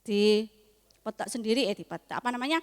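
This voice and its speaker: A young woman teaching a Sunday school lesson, coaxing and lively with the children. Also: medium pitch, brisk. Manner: lively, coaxing, talks to kids. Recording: echoey hall.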